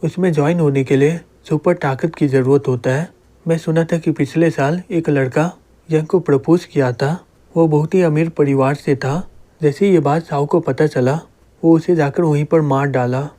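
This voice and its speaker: A man's voice: a little high, fairly even intonation, moderate pace, mellow, close to an everyday voice. A man voicing a jealous, scheming young man who gloats in his thoughts. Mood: gloating.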